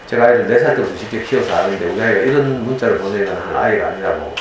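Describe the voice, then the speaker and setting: A man's voice: on the low side, rapid-fire, crowd noise. A middle-aged man giving a lecture to parents, telling a personal story and acting out the dialogue as he goes. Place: lecture room. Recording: very echoey lecture hall, faint noise.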